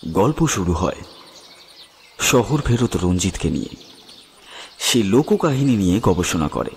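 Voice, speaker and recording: A man narrating a scripted horror story dramatically, with suspenseful, weighted pauses. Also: sits low, very animated, a little hiss or hum. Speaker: narrator and presenter. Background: music with birds and crickets.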